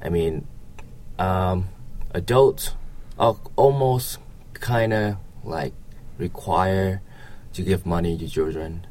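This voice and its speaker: A man from Vietnam, answering interview questions casually and haltingly, often hedging with "you know" and "like". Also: low voice, a little mellow, slight background noise.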